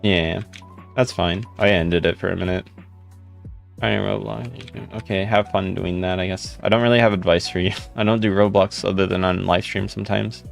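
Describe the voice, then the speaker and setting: Young male streamer, deep gravelly voice, laid-back rambling chat, faint music behind. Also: steady tone, moderate pace. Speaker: live streamer. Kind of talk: casual live stream chat, reading comments.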